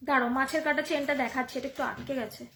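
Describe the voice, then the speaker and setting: A high-pitched woman with a Bengali accent talks her viewers through one piece of jewellery after another, repeating each price in a chatty, friendly way. She is filmed on a phone at home, and her voice carries a roomy echo. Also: fairly even intonation, rapid-fire, bright, forceful tone, soft background music. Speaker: online jewellery seller. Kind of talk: live selling stream. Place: home room. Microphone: phone camera. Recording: echoey room.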